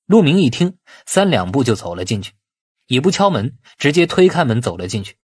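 A man reading a novel aloud as expressive scripted narration. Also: mid-range voice, fairly quick, slightly rough, no room sound, clean studio sound. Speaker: audiobook narrator.

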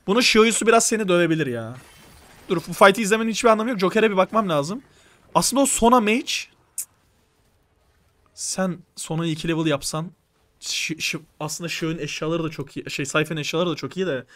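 High-voiced excitable young man coaching. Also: no echo. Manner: animated, urgent instructions, swears and laughs. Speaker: streamer coaching players. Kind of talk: live game coaching over voice chat.

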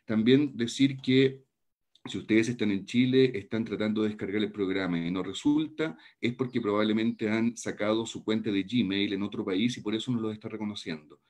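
A man's voice: lowish voice, normal speed, a little mellow. A man giving practical announcements on a video call, direct, with a few restarts. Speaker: webinar moderator.

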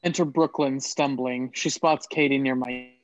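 A man's voice: medium pitch, steady tone, moderate pace, no echo. A man reading the stage directions in an audio drama, plain and matter-of-fact, recorded on dry, dull lo-fi audio. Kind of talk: scripted narration.

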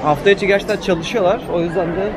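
A man's voice: sits high, quick pace, over a noisy crowd, heavy background noise. A young man hosts a casual vlog, talking to a handheld camera outdoors. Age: young adult. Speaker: vlog host. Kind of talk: casual chat to camera while walking. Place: outdoors in city streets and squares. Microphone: camera at arm's length. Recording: loud music over speech.

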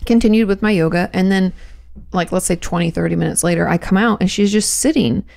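A woman's voice: fairly low pitch, a little fast, creaky, darkish tone, dry recording. A woman in her thirties co-hosting a podcast in a small home studio, chatting casually and telling stories with restarts. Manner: chatty storytelling, trailing restarts. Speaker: podcast co-host. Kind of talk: casual chat. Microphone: studio mic on boom arm, headphones.

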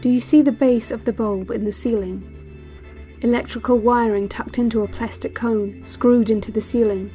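A woman acting a measured, higher-pitched tape instructor over music. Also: fairly even intonation, mellow, natural voice. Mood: calm, detached. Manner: measured, soothing, detached. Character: calm, eerie female instructor on relaxation tape. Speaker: narrator of instructional cassettes. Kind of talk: scripted guided relaxation narration.

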